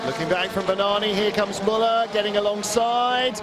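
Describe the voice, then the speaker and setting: A man's voice: sits high, steady tone, moderate pace. A man giving live motorsport commentary as a race commentator, describing the action emphatically with repeated phrases. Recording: loud car and engine noise behind.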